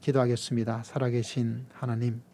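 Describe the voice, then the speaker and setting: A man from the region, preaching a sermon and telling a playful story with emphatic, drawn-out key words. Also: mid-range voice, little pitch movement, mellow. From Gyeongsang region, Korea. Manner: playful storytelling with jokes and acted-out voices. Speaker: pastor.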